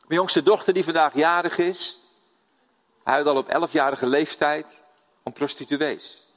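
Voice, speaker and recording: A man's voice: fairly high pitch, a little slow. An older Dutch man preaching a sermon, telling stories and putting questions to his congregation. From Netherlands. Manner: lively storytelling, asks the audience questions. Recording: long hall reverb.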